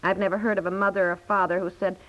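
A woman's voice: mid-range voice, level tone, fast, lightly acted. An actress playing a protective, fretful American wife and mother, earnest and chatty, in a 1950s radio play. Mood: worried. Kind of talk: naturalistic 1950s American radio comedy-drama acting. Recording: muffled 1950s radio recording.

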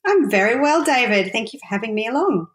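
A woman's voice: a little high, animated, brisk. A woman explaining her work as an interview guest in an organised, businesslike way. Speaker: podcast guest, company chief executive.

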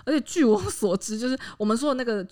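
A woman's voice: on the high side, fast. A woman with a Taiwanese Mandarin accent co-hosts a casual podcast as a translator, talking in a chatty way. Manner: lively, chatty. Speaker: Japanese and Korean translator. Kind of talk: casual chat.

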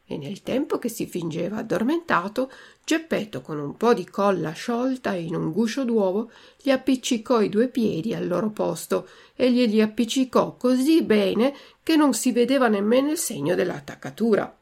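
A woman teacher reading a story aloud and then going through vocabulary words slowly and carefully. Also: mid-range voice, animated, vocal fry, a little mellow. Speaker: language teacher.

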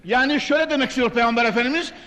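A man's voice: very high voice, rapid-fire, bright, forceful tone. An older man delivers an emphatic mosque sermon at a pulpit microphone, addressing the congregation directly and quoting scripture. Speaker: mosque preacher. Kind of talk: sermon from the pulpit, with Quran quotations. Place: large mosque, indoors. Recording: reverberant hall, pulpit microphone.

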